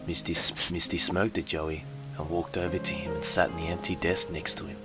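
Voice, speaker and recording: A man's voice: low-pitched, little pitch movement, a little fast. A man giving a hammy, mock-dramatic comedic reading of fan fiction as narrator, with music behind him.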